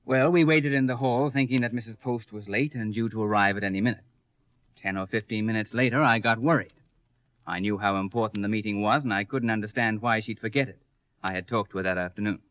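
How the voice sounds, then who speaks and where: Low-voiced old radio serial lawyer, acted by a man. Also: quick pace, smooth, dry recording, lightly acted. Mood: earnest, measured. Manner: polite, careful, matter-of-fact. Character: courteous, measured professional male lawyer being questioned. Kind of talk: 1950s American radio detective serial acting. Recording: dry, dull old radio recording.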